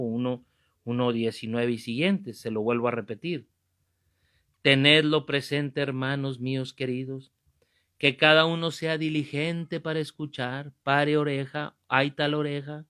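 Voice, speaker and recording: A Catholic preacher, teaching a Bible class in a fervent, emphatic way and repeating key phrases. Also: male voice, medium pitch, bright, forceful tone, clear, resonant tone. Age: 50s.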